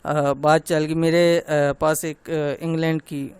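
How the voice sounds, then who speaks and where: A man teaching Quran recitation, slowly spelling out syllables and pointing out common mistakes. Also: fairly high pitch, flat delivery, clean tone, dry recording. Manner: slow, drawn-out demonstration of syllables, then gentle personal talk. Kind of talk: online tajweed lesson.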